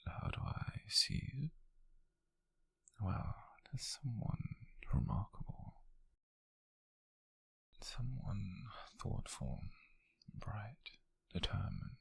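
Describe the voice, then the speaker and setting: A British man playing a gentle, teasing witch mentor in an ASMR roleplay, speaking in a breathy, hushed half-whisper with soothing, intimate phrasing. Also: sits low, dry recording, exaggerated voice. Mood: tender, earnest. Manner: soothing, intimate, unhurried, softly formal phrasing. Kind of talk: ASMR roleplay addressed to the listener.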